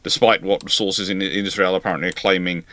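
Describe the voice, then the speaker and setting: A man's voice: sits low, fairly even intonation, brisk, sharp tone. A man hosting a live question-and-answer stream, talking in a wry, discursive way with sarcastic asides. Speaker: host.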